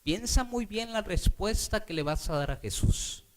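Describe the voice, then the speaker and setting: A man's voice: high-pitched, animated, unhurried. A male Catholic preacher giving a sermon, speaking emphatically and calling for responses from the congregation.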